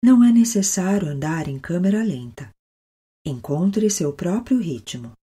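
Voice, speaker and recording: A Brazilian woman leading a guided meditation as an instructor, with the calm, soothing delivery of a yoga teacher and long pauses. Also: fairly low pitch, husky.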